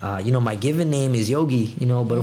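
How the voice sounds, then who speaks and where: A man speaks with an American accent and fairly even intonation. Noticeable background noise can be heard. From New York. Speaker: artist and educator. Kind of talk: casual interview chat.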